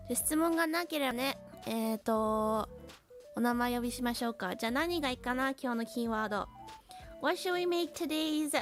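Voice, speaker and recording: Speaking in a high-pitched, somewhat bright voice, a woman on a live stream chats casually, switches languages, and slows her English down into simple phrases for learners. She reads out viewers' names in a cheerful, giggly manner.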